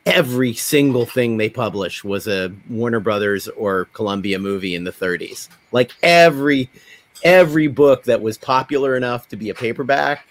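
This man speaks at medium pitch and a moderate pace, his intonation lively. He's hosting a podcast, keeping things conversational and wandering into one story after another.

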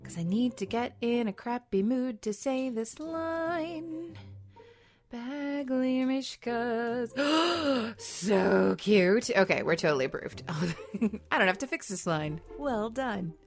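A woman's voice: a little high, lively intonation, measured pace, faint music behind. A woman voice actress recording lines into a studio microphone, playful and self-mocking as she chats between takes. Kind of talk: voice recording session outtakes.

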